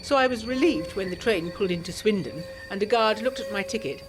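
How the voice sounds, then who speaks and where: A woman's voice: mid-range voice, fairly quick, close to an everyday voice. An actress playing an earnest, anxious young Englishwoman of the 1920s, reading her letter in formal, articulate English tones for a gothic audio drama. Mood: reflective. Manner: formal, articulate, expressive period diction.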